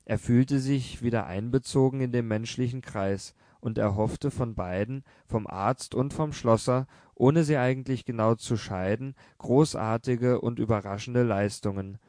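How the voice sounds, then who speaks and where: Guy reading a literary audiobook, steady and measured, mid pitch, dry booth sound. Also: dry recording. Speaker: audiobook narrator.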